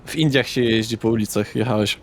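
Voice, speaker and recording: A man's voice: lowish voice, fairly even intonation, quick pace. A man refereeing a tabletop role-playing game as game master, explaining things in a conversational way.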